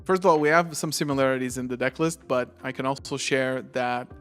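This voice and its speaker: A man's voice: medium pitch, brisk, clear, resonant tone, faint music behind. Chatty laid-back man hosting a stream. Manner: relaxed, chatty, many fillers. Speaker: host, interviewer. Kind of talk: livestream interview.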